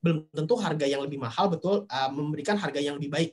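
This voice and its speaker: A man's voice: fairly high pitch, quick pace. A man speaking for a marketplace company in a webinar, explaining step by step and leaning on fillers. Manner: explanatory, leans on fillers and "nah". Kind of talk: webinar presentation.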